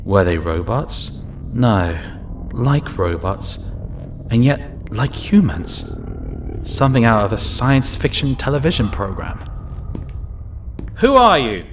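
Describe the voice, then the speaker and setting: A man's voice: medium pitch, very animated, slow, long pauses, noisy background. A man playing a wary lone inspector who narrates and acts out his ordeal in an audio drama, tense and dramatic. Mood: uneasy, then alarmed, demanding. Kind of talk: first-person audio drama narration and acting.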